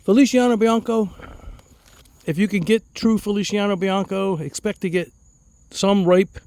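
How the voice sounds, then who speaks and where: Man hosting a casual outdoor vlog: rambling, chuckling, higher voice, dry close sound. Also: fairly even intonation, moderate pace, darkish tone, dry recording. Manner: chuckling, rambling, repeats words. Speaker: fig grower and channel host.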